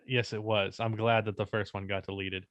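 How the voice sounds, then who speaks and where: A young man co-hosting a casual podcast, speaking in an even, unexpressive tone and swearing casually. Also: fairly low pitch, normal speed, dull audio. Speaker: podcast co-host and YouTuber.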